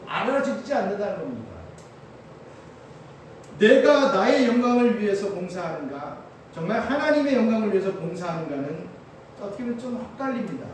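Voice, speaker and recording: Animated preaching man, echoey church. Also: high voice, a little hiss or hum. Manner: animated, acts out complaining churchgoers in raised voice. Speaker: missionary pastor. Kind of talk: sermon. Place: church hall. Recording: echoey church hall, from far off.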